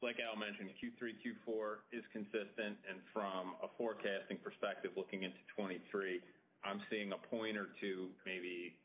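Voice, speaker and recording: A man's voice: fairly low pitch, level tone, normal speed. A man speaking as a finance executive, giving business answers on a conference call. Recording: muffled audio with background noise.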